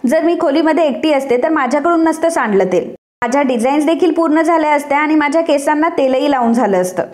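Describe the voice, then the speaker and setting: A woman voicing a stubborn, sharp-tongued young woman designer in a retold TV serial, speaking defiantly. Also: high-pitched, expressive, fast.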